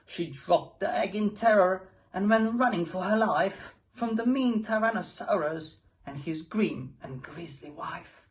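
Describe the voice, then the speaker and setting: A woman's voice: mid-range voice, measured pace, few pauses. A woman reading a rhyming picture book aloud with a rhythmic, sing-song delivery. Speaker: storybook reader.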